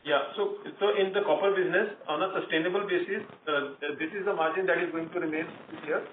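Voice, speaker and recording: A man with an Indian accent answers questions as an executive on an investor call. His voice is on the higher side and he speaks haltingly, doubling back on words. The phone sound is thin and echoey, as if he sits away from the microphone. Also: steady tone. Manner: hesitant, halting, repeats words. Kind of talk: earnings conference call answers. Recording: tinny phone line, roomy echo, distant, noisy.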